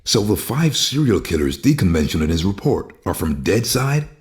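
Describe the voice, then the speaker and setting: A grim undead demigod speaks very low in a cavernous space. His delivery is grave and theatrical, swinging widely in pitch, with a dry sarcastic streak, as in a dark video game. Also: very animated, moderate pace. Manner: grave, poetic when narrating, dry sarcasm in talk. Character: brooding male undead voodoo demigod, lord of the dead. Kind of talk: dramatic video game voice acting. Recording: echoey reverberant hall, faint hiss.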